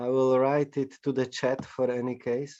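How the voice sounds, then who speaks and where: With a non-native accent, a man speaks at medium pitch and a fairly slow pace in a dark, mellow tone with monotone, flat intonation. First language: not English. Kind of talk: online workshop discussion. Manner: halting.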